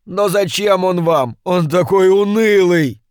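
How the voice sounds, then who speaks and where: A man voicing a desperate, whining minor male demon, pleading in a strained high voice for an audiobook. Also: slow, smooth, no room sound, studio quality. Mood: exasperated. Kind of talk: audiobook character voice.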